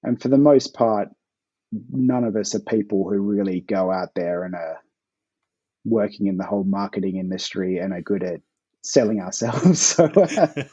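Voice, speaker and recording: An Australian man, an author guest, talking in a relaxed, hesitant way with plenty of fillers. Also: lowish voice, moderate pace, breathy edge, dry recording, dull audio. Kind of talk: casual interview chat.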